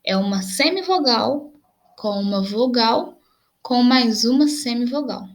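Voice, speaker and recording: A young adult woman teacher with a Brazilian Portuguese accent, patiently explaining grammar in a video lesson and slowly spelling out examples. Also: on the high side.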